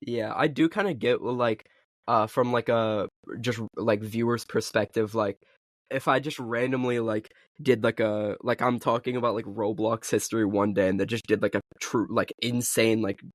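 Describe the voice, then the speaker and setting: A young man in a casual podcast chat, his voice sitting a little low. He talks in loose, halting runs packed with "like" and "uh". The sound is dry and close, with no room in it. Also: fairly even intonation, no echo. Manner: halting, filler-heavy, lots of "like". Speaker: podcast co-host and video creator.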